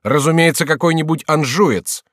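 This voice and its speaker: A man's voice: a little high, moderate pace, no room sound, studio quality, voice pushed up, natural voice. A man voicing a hot-headed young male courtier in a storybook reading. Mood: frantic shouting. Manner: shouting, frantic.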